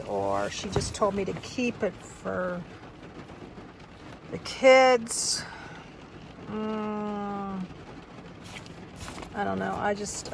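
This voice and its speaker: An older woman vlogs casually from inside a parked car, reminiscing and reading aloud in a wistful, rambling, reflective way. Her medium-pitched voice has vocal fry, with background noise present.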